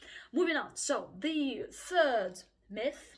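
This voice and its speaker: A woman with a Russian accent speaks with very wide pitch swings. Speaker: English exam teacher. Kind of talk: tutorial. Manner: animated.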